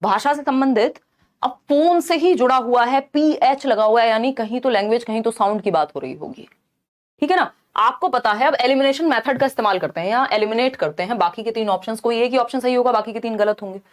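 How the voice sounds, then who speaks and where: High-voiced woman teaching an exam lesson. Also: brisk. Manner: explains by rephrasing and asking rhetorical questions.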